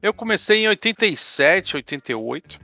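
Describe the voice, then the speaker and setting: A man's voice: high-pitched, big pitch swings, a little fast, vocal fry, pushed and bright, no room sound, faint music behind. Laid-back Carioca man in his forties. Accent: Carioca Brazilian Portuguese. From Rio de Janeiro, Brazil. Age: 40s. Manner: laid-back, jokey, self-deprecating. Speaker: guest, RPG game master and writer. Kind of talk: casual interview chat.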